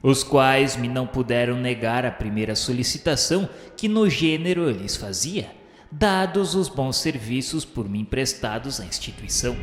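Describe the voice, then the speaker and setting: A man's voice: medium pitch, close to an everyday voice. A man playing a tormented, vengeful Jesuit officer of the Inquisition, confessing in solemn, formal, theatrical radio novela narration. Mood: grim, bitter. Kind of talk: dramatized first-person radio novela narration. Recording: echoey hall reverb, music behind.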